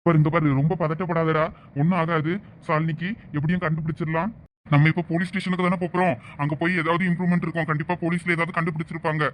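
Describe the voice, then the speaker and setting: Give me a man playing a reassuring male friend who coaxes quickly. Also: on the high side, level tone, a little hiss or hum, natural voice. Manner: coaxing, reassuring.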